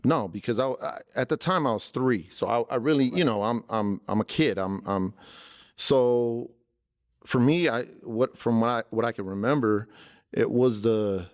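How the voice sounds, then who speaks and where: A man's voice: mid-range voice, moderate pace, dry recording, studio quality. A man in his forties from Los Angeles, talking casually as a podcast guest with a loose, restart-filled flow. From Los Angeles, born in El Salvador. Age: 40s. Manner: relaxed, loose, peppers talk with "man", frequent restarts. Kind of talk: casual interview talk.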